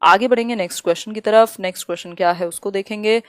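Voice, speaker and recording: A woman teaching an exam-prep lesson live, reading questions aloud slowly and chatting with viewers as she explains. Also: medium pitch, steady tone, dry recording, clean studio sound. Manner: chatty, answers viewers' comments.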